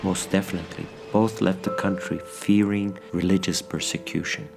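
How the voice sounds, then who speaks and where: A man narrating a documentary as its filmmaker, in a measured, explanatory way. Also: deep voice, fairly even intonation, vocal fry. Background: loud background music.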